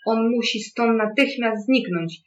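A storyteller voicing a fussy, quick-tempered wind in a storybook read-aloud. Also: mid-range voice, sharp tone, lo-fi sound. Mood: angry. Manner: blustery, scolding.

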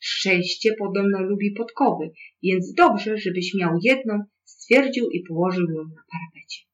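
A storyteller reading a children's story aloud in a calm, even way. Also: medium pitch, measured pace, highs cut off.

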